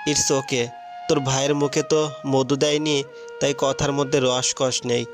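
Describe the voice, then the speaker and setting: A man reading the part of a poor, timid young woman who speaks softly, with music behind. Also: medium pitch, flat delivery, unhurried, natural voice. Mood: meek. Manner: soft, meek.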